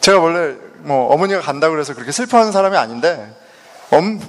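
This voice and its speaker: A man's voice: on the high side, fast. A middle-aged man from South Korea telling a personal testimony, laughing often as he talks. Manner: animated storytelling, laughing often. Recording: long hall reverb.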